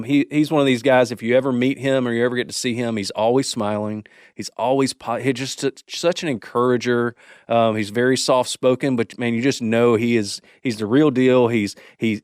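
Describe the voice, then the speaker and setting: A man's voice: medium pitch, steady tone, fairly quick, dry recording, clean studio sound. A man hosting a church podcast in casual chat, rambling with many restarts and fillers. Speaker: podcast host.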